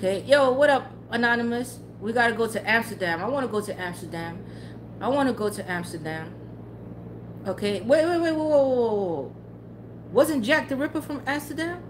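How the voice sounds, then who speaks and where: Using very wide pitch swings and long, frequent pauses, a woman with a New York accent speaks at a fairly high pitch. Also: moderate pace. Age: 40s. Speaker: tarot live streamer. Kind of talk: casual livestream chat. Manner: animated.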